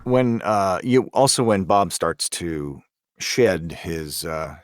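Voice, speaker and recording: Deep-pitched man in casual conversation. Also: lively intonation, slow, no echo, studio quality. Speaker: podcast panelist. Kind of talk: casual behind-the-scenes discussion.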